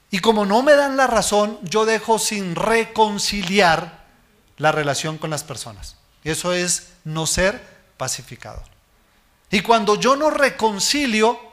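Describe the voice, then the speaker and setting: A man preaching a sermon as pastor, asking the congregation questions and answering them himself, and letting his voice fall low and soft at the ends of phrases. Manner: speaks directly to the listener as "hermano".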